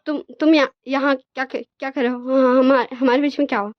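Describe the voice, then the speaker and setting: A woman's voice: sits high, steady tone, fast, highs cut off, close to an everyday voice. A woman voicing a proud young male alpha husband in a storybook retelling, who stammers when caught off guard. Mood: flustered.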